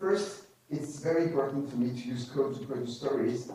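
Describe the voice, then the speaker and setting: A man with a French accent is heard over light background noise amid strong room echo. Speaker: data journalist. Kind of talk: conference talk. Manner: hesitant, with filler words. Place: hall.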